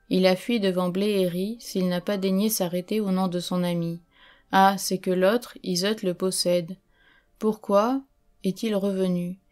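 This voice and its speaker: A woman's voice: medium pitch, a little mellow, lightly acted. A woman reading the lines of a proud medieval queen in a stately, reproachful way.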